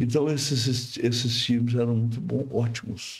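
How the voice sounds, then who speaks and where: Somewhat breathy, a man at medium pitch speaks at a fairly slow pace. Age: 70s. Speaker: pediatrician. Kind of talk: interview conversation. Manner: halting, with repetitions.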